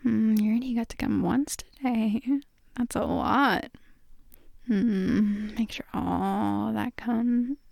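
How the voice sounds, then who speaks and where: A woman performing intimate adult roleplay as a dominant, affectionate lover, murmuring drawn-out praise and sometimes slipping toward a whisper. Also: on the high side, fairly even intonation, creaky, darkish tone, dry recording, studio quality. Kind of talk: intimate erotic audio roleplay addressed to the listener.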